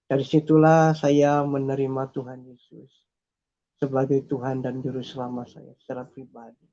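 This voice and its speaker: A man gives his personal faith testimony in a warm, mid-range monotone at a moderate pace. He's earnest and repetitive, hesitating frequently, and the recording is dull and lo-fi.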